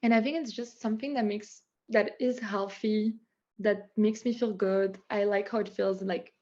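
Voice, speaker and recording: A woman's voice: medium pitch, moderate pace, highs cut off. Young French-accented woman, chatty. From France. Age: young adult. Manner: chatty, many "like" fillers, animated. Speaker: guest, founder of a nut butter business. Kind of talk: casual interview chat.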